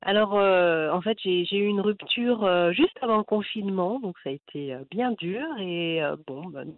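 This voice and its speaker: A woman caller on the telephone, telling a personal story informally and haltingly, often breaking off and repeating words. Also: on the low side, no echo. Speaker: caller to a phone-in show. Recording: narrow phone line.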